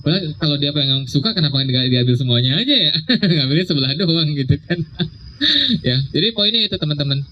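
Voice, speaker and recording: A young man giving a casual religious talk, slowing down to stress key words and checking in with "ya". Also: a little high, expressive. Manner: conversational, drawn-out emphasis, frequent "ya". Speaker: religious speaker. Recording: dull lo-fi sound with faint noise.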